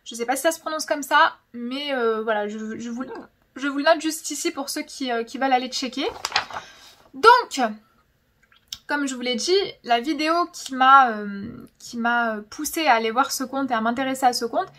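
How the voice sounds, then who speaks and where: Slight background noise sits under a young woman's high, fairly bright voice at normal speed. A francophone YouTube host of Algerian descent, she casually tells stories in her vlog, dramatic and emphatic, repeating words for effect.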